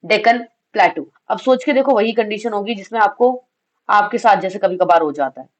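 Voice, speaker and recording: With a mid-range voice and a fairly quick delivery, a woman from India reviews material for an exam. She sounds slightly hoarse, asks and answers questions on her own, mixes English phrases into her speech, and addresses the class as kids.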